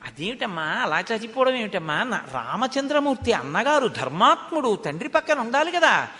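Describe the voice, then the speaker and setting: A man's voice: sits high, very animated, normal speed, bright, forceful tone, full character voice. A man voicing a grieving young prince who pleads and questions his mother in a religious discourse. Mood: pleading. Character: grieving young prince, devoted son and brother. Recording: long hall reverb.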